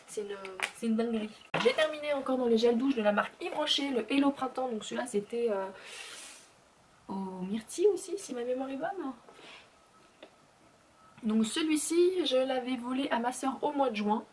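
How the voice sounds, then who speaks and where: A woman in her thirties with a fairly high voice talks casually as a vlogger, full of fillers and restarts. She often drops to a near-whisper mid-thought. There's a faint hiss of background noise under her. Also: expressive, moderate pace. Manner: chatty, frequent fillers and restarts, drops to murmurs. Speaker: beauty vlogger. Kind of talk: casual chat.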